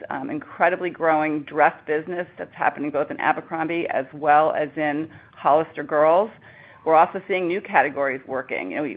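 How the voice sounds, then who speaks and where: Female chief executive for upbeat earnings-call answers, heard through a tinny phone connection. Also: low voice. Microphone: conference call line. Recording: narrow, tinny phone-line sound.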